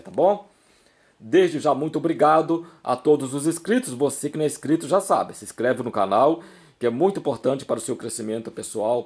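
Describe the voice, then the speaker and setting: A man's voice: medium pitch, a little mellow. A man with a Brazilian accent giving informal instructional advice as a video host, explaining by example in a repetitive, emphatic way with frequent check-in tags.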